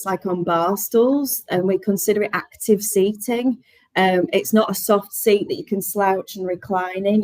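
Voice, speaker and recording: A woman answering informally as a webinar panellist, hesitant and halting as she explains. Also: on the low side, darkish tone, no echo, low-quality recording.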